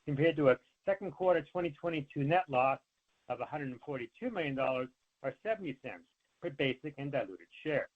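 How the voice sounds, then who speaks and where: A man, a company finance executive, reading prepared earnings remarks in a formal, measured way over a conference call line. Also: on the high side, animated. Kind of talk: scripted earnings call presentation. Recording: narrow, tinny conference phone line.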